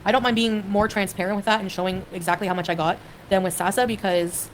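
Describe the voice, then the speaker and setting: A woman's voice: mid-range voice, fairly even intonation, fast, slight background noise, poor audio. A woman from Canada chatting on a livestream, hesitant and rambling, with lots of fillers as she reads viewers' comments. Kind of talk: casual livestream chat.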